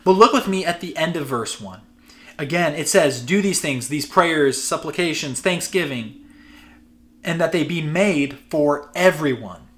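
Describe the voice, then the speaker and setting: A man's voice: fairly high pitch, animated, measured pace, fairly bright tone. A man preaching a sermon to his congregation, earnest and conversational, repeating words for emphasis and acting out everyday prayers. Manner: voices imagined prayers in an easy conversational tone. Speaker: pastor.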